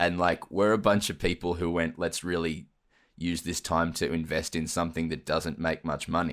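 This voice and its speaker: On a very clean recording with a silent background, a man with a very deep, low pitch talks at a fairly quick pace using fairly even intonation. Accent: Australian. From Australia. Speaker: comedian. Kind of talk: casual interview.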